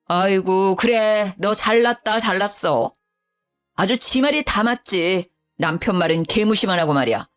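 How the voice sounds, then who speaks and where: A woman's voice: medium pitch, unhurried, faint music behind, lightly acted. A woman voicing a defensive young husband who reproaches his wife. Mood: reproachful. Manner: irritated, reproachful.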